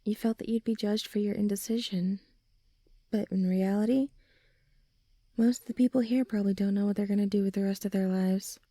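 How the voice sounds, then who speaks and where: A young woman playing a supportive, gently reassuring friend in an ASMR comfort roleplay, speaking softly and soothingly. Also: mid-range voice, fairly even intonation, a little fast, no room sound, lightly acted. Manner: soft, soothing, encouraging, breathy sighs and chuckles.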